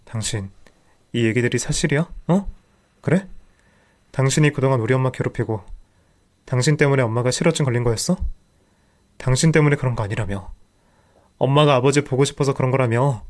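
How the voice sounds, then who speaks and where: A man's voice: medium pitch, brisk, long pauses, natural voice. A betrayed husband, as a male narrator plays him, demanding answers from his wife with question after question. His voice is pushed and heated. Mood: angry. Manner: confronting with repeated questions. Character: betrayed younger husband, angry.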